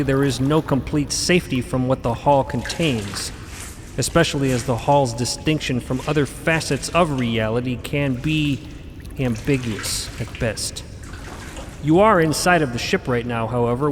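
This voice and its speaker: An actor playing an eccentric, cryptic elder grandparent in an audio drama, with formal, theatrical diction. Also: male voice, mid-range voice, long reverb tail, background noise, close to an everyday voice. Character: eccentric elder robed mother-figure, male, grandparental, breezy and cryptic.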